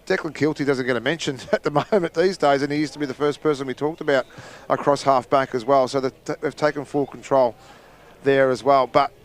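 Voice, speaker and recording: This Australian man talks footy at a country ground, breaking down the game and reading scores around the league. His voice is a touch high and clean-toned, and he is chatty and self-deprecating, laughing off his own mistakes. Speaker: expert commentator. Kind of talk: casual football analysis and score reading. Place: outdoor football ground.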